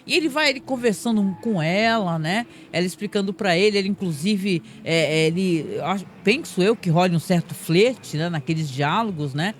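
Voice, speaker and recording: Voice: mid-range voice, lively intonation, normal speed, hardly any pauses, a little hiss or hum. A speaker with a Brazilian Portuguese accent casually recapping a TV episode, tagging phrases with "né?" and acting out the characters' lines. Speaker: film and TV reviewer.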